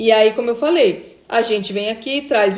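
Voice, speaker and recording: Over noticeable background noise, a woman talks at a fairly high pitch. Her pitch variation is ordinary. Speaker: pastor. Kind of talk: live stream teaching. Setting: Instagram live.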